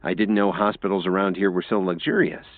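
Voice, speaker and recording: A man voicing a gentle young man in an audiobook, talking plainly and mildly. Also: low voice, steady tone, a little fast, no echo, natural voice. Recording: dry, tinny phone-like sound.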